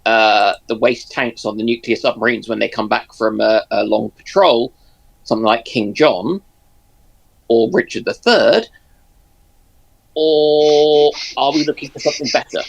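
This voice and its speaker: A man with noticeable fry in a mid-pitched voice chats as a panelist on a live stream. He thinks aloud, hesitating and doubling back on words. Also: a little slow, highs cut off. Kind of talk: casual discussion.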